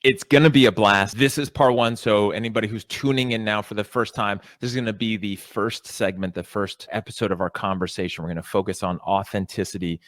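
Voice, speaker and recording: A man's voice: lowish voice, fairly even intonation, brisk, few pauses, a bit bright, dry recording. Upbeat podcast host man, dry sound. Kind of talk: interview podcast.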